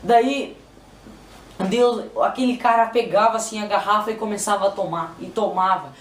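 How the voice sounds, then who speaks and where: A man's voice: sits high, steady tone, moderate pace, fairly bright tone. Brazilian man, emotional repetitive testimony, roomy sound heard from a distance. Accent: Brazilian Portuguese. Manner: repetitive, pleading, emotional retelling. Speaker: person giving a religious testimony. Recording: roomy, distant mic, faint noise.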